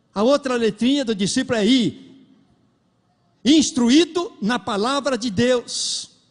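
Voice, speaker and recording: Very slowly and with long, frequent pauses, a man talks in an extremely high voice. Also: ordinary pitch variation. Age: 60s. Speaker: preacher. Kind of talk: sermon. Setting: church.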